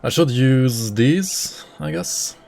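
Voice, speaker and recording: A man's voice: mid-range voice, slow, gravelly, darkish tone, faint music behind. A man, an English speaker, streaming a game and casually thinking aloud while answering chat, with many "like" fillers. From Germany. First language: German. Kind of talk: live gameplay commentary, reading chat.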